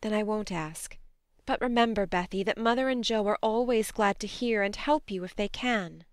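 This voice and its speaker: A woman reading a storybook, voicing a blunt, spirited young woman who talks briskly. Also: mid-range voice, clean tone, no room sound, studio quality, natural voice. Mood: tender. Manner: brisk, scolding, then tender.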